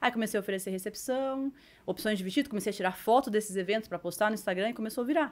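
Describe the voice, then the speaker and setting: Speaking very fast, a woman keeps her pitch variation ordinary. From Brazil. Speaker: harpist; podcast guest. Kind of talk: casual interview chat. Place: home room. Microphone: studio mic.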